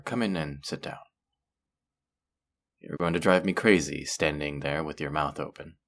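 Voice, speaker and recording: In an audio roleplay addressing the listener, a man with a bass, exaggerated voice plays a feared supervillain interviewing a job applicant. He's theatrical yet businesslike, dryly amused and politely condescending.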